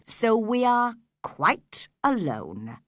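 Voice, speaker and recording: A woman voicing a cruel, scheming middle-aged man who speaks quietly and coldly. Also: on the high side, huge pitch swings, very slow, no echo, studio quality, heavily acted. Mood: menacing. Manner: quiet, controlled.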